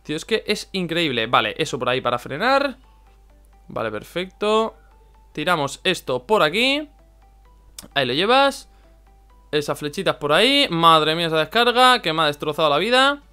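A young man narrates his mobile game for his viewers, animated and quick to vent his frustration. His voice is high, bright and smooth, and it swings all over his range. Faint game music plays behind him. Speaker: gaming YouTuber. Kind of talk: excited game commentary.

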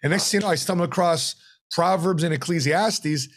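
Man, middle-aged, animated storyteller, interview guest, home office, podcast mic. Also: a little high, brisk. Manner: animated storyteller who acts out quoted voices. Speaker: guest, retirement planner. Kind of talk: interview conversation. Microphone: podcast mic on boom arm.

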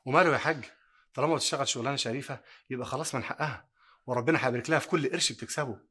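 An actor with an Egyptian accent playing a calm, pious go-between who talks in a reassuring, matter-of-fact way. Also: male voice, medium pitch, very fast, breathy edge. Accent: Egyptian Arabic. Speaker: go-between friend. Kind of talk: Egyptian TV drama acting.

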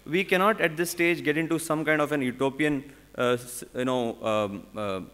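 A man in his forties with an Indian English accent speaks at a conference podium. He talks haltingly, with many "uh"s and restarts. A long reverb from the big hall trails behind his voice. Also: on the high side, a bit bright, smooth. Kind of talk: conference panel talk. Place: large conference hall on stage. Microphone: podium microphone.

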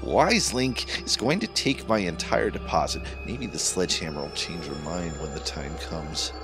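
A man's voice: deep voice, animated, moderate pace, over music. A man playing a bitter, paranoid, volatile diarist in a horror audio story, with a seething, sardonic, profane delivery. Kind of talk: dramatic first-person horror narration.

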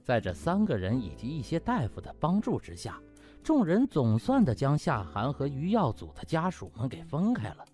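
A man performs a comic audiobook with theatrical flair and casual, colloquial phrasing. His pitch swings very widely, and soft music plays behind him. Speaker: audiobook narrator. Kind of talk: animated comic storytelling. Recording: music under the voice.

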